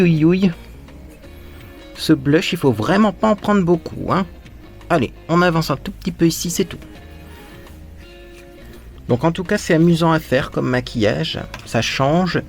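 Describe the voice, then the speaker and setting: A man hosting a casual makeup tutorial, chatting playfully to viewers while he applies his makeup and dropping in little sound words. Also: fairly high pitch.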